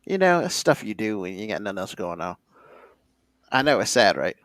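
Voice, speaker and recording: A man's voice: lowish voice, sing-song, normal speed, fairly bright tone, no echo, clean studio sound. A man hosting a podcast in casual, conversational talk. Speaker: podcast host.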